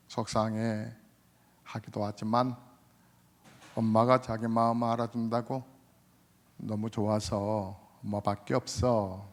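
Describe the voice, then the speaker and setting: Korean male pastor preaching in an echoing church. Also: fairly low pitch. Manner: conversational preaching with frequent "어" fillers, acting out quoted people. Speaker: senior pastor. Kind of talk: sermon. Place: church sanctuary. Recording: long church reverb.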